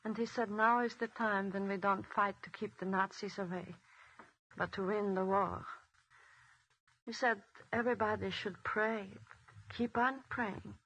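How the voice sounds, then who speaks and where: An actress playing a fretful, doubting mother in a 1940s radio drama, with a husky voice. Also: mid-range voice, steady tone, unhurried, fairly bright tone, rough recording. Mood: doubtful.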